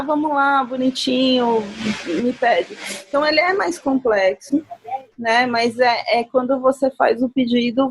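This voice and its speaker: A woman speaking as a guest in a conversational talk, reflective and growing animated when she acts out examples. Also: high voice, husky. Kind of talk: conversational talk on nonviolent communication.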